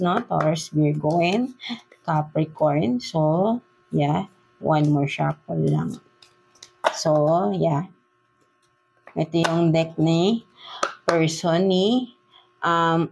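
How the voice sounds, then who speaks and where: A woman's voice: low-pitched, gravelly, a little mellow, a little hiss or hum. A woman with a Filipino accent giving a casual tarot reading in Taglish, chatty and full of fillers, often tagging her sentences with "no?" and "right?". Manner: chatty, slow, filler-heavy Taglish with frequent "no?" and "right?" tags. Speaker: tarot reader.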